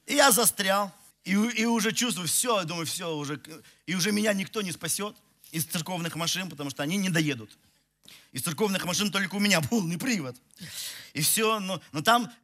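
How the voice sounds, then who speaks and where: A man's voice: high voice, sharp tone. A man in his forties, a pastor, preaching to a church hall audience through a headset mic, telling a self-mocking story with many restarts. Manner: walks the stage, gesturing. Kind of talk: sermon with humorous personal story.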